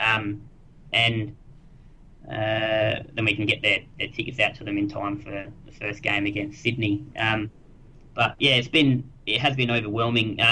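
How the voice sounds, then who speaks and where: With an Australian accent, a man speaks at a fairly slow pace in a fairly low pitch, his tone bright and sharp, his intonation fairly even, and his pauses long and frequent. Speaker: football club membership staffer. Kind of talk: casual interview.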